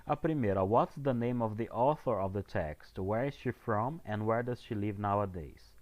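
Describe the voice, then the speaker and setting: Low-voiced Brazilian male teacher, hesitant. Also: a little slow, highs cut off. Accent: Brazilian Portuguese. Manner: casual, hesitant, with many fillers and restarts. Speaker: English teacher. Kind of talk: explaining schoolwork to students.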